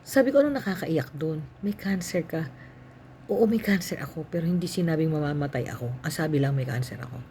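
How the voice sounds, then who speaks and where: An older woman with a Filipino accent recounts her own story in a calm, matter-of-fact manner, slipping into the voices of the people she quotes. Her voice sits on the low side, and a faint noise runs underneath. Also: fairly quick. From Philippines. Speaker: cancer survivor sharing her story. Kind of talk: personal testimony, storytelling.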